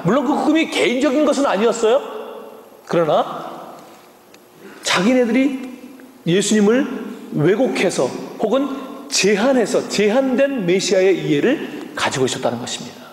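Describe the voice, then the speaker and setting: Very high-voiced preacher in an echoing hall. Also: male voice. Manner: animated storytelling with frequent tag questions. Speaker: missionary preacher. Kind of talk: sermon. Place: church sanctuary. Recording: echoey hall with long reverb.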